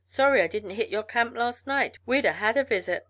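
A woman's voice: a little high, animated, normal speed, a bit bright. A woman voicing a gossipy, amused frontier mail carrier in a storybook, with folksy colloquial talk. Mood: folksy, matter-of-fact. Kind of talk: storybook character voice in narration.

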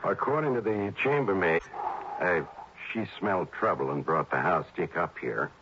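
An actor playing an earnest, worried male friend who explains in halting, hesitant phrases in an old radio drama. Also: deep voice, animated, noisy background. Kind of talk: 1950s-60s radio drama acting. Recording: dull old radio broadcast.

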